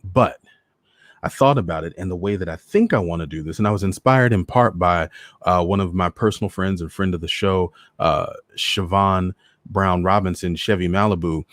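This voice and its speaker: A man's voice: low voice, normal speed, dry recording, studio quality. An American man hosting a live online show, chatting casually to his viewers and repeating phrases for emphasis. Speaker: host of a live online story-reading show. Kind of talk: casual livestream chat to viewers.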